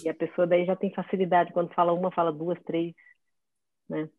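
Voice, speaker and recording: A woman's voice: on the low side, little pitch movement, brisk, dry recording, narrow, tinny audio. A woman chatting in a conversation, thinking aloud as she talks.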